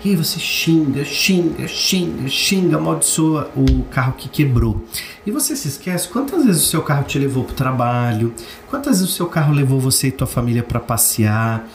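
A man with a Brazilian Portuguese accent hosting a casual motivational talk. He jumps up in pitch when mimicking complainers and searches for words with chatty fillers. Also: expressive, normal speed, gravelly, soft background music. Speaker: host. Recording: roomy echo with faint background noise.

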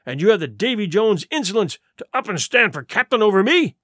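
A man performs a wily pirate sea cook from an adventure storybook. His voice rides high and swings widely in pitch, heavy with sarcasm and scorn. He argues in rustic nautical dialect, captured close and dry. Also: very animated, fairly quick, a bit bright, no echo, full character voice. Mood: indignant, vehement. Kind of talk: audiobook character acting.

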